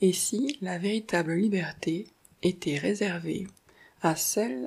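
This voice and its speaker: At a very slow pace, a woman of medium pitch speaks in a somewhat breathy voice with lively intonation. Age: 40s. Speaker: voice actor. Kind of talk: audiobook narration.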